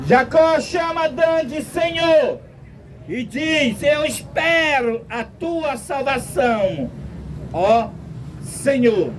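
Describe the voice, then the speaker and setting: A man from Brazil preaching a slow, emphatic street sermon outdoors, quoting scripture at length. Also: very high-pitched, lively intonation, background noise.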